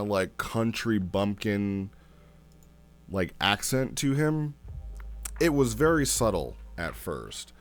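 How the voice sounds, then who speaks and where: A man giving a casual, off-the-cuff review as a host, thinking aloud and repeating phrases for emphasis. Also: mid-range voice. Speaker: host reviewing a text role-play.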